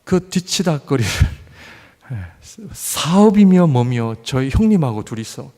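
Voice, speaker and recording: A man preaching a sermon as pastor, swinging from loud impassioned pleading to low, measured scripture reading. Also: sing-song. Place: church sanctuary. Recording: long church hall reverb.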